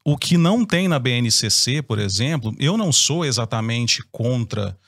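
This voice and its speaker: A man's voice: medium pitch, expressive, moderate pace, a bit bright, no echo. Brazilian man explaining his take on schooling, opinionated, dry close sound. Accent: Brazilian Portuguese. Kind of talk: casual discussion.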